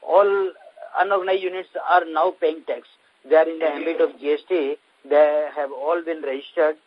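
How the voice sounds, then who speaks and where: A man with an Indian accent, a company executive, giving a halting explanation on an investor conference call. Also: on the high side, steady tone. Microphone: conference call phone line. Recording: dull, lo-fi conference phone line.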